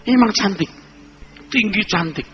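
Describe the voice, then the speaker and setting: Male pastor, humorous storytelling sermon, lively and joking, somewhat high voice, faint music underneath. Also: moderate pace, dull audio. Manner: lively, joking, acts out little scenes.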